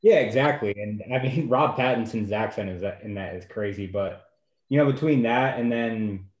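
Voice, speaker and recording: A man's voice: lowish voice, moderate pace. A man chatting casually on a group call, hesitantly searching for his words. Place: echoey room, on a group call. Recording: echoey, dull call audio.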